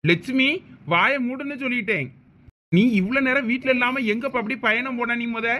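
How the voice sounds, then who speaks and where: A man's voice: very high-pitched, moderate pace, pushed and bright. A man voicing a stern but doting village father in a cartoon, with a Thoothukudi Tamil accent. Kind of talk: cartoon voice acting.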